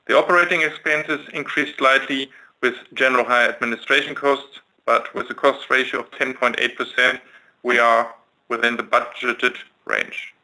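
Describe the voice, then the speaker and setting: A man giving a scripted financial results presentation as a chief executive, in a formal, measured manner. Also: mid-range voice, sharp tone, low-quality recording. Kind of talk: scripted financial presentation on an investor conference call.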